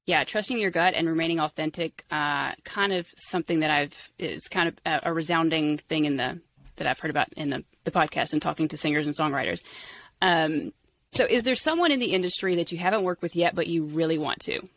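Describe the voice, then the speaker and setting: A woman's voice: deep voice, brisk, a bit bright. Playful woman podcast host in her thirties. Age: 30s. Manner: playful, teasing. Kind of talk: casual podcast interview.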